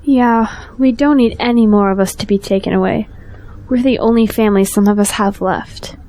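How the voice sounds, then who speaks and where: A woman playing a gentle, grateful young Christian woman in an audio drama. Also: medium pitch, moderate pace, natural voice. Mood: sincere.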